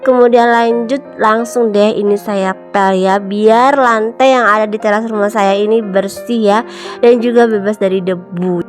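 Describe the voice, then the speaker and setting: Her voice mid-range and steady at a normal speed, a home vlogger and mother in her thirties narrates a cleaning video, a bit nasal from a cold. She chats warmly to viewers she calls moms and friends, over faint background music.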